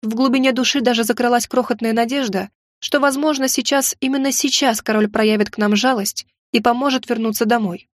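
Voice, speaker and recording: A woman narrating a first-person fantasy audiobook, lively and ironic. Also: on the high side, fairly quick, hardly any pauses, no echo. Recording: dry close recording.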